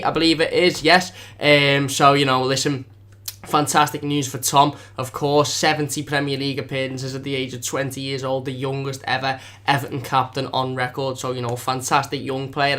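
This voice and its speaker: A man's voice: mid-range voice, fairly bright tone. A young man hosting a casual live stream as a fan channel host, rambling with lots of fillers, feeling slightly under the weather. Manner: fast, rambling, filler-heavy.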